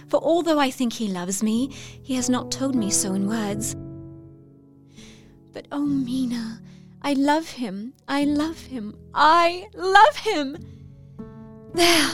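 A young woman playing a lovestruck, confiding Victorian lady reading her letter in an audio drama, effusively. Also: high voice. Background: music under the voice.

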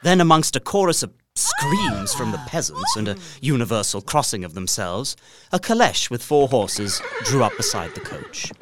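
An actor playing an earnest, uneasy gentleman traveller, narrating his journal in a deliberate, literary gothic drama style. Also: medium pitch, noisy background. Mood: fearful awe. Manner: literary, deliberate, expressive storytelling.

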